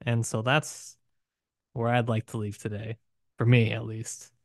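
A man co-hosting a podcast, talking through a book casually with emphatic, deliberate phrasing broken by pauses. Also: medium pitch, flat delivery, no echo, studio quality. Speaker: podcast co-host.

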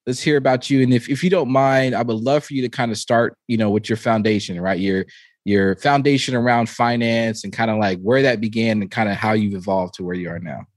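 A man hosts a podcast and encourages his guests, filling in with steady affirmations. His voice sits fairly low and sounds dry and close. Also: fairly quick, no room sound. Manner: encouraging, lots of mm and love it. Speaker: podcast host. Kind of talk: interviewing guests.

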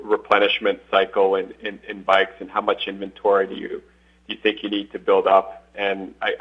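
Low-voiced tentative male analyst on the phone. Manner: tentative, stammering with repeated words. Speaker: financial analyst asking questions. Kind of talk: question on an earnings call. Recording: tinny phone-line call.

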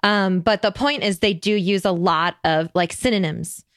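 A woman's voice: mid-range voice, moderate pace, no echo. Chatty, bubbly woman with a dry sound. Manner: bubbly, chatty, full of fillers. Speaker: podcast host. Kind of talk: casual conversation.

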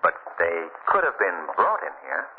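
An actor in an old radio mystery playing a composed, decisive gentleman detective with polite, formal phrasing. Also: low-pitched, wildly swooping pitch, moderate pace. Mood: composed, purposeful. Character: composed, decisive gentleman sleuth, courteous and commanding. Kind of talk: 1940s radio mystery acting. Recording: phone-like, faintly noisy old radio recording.

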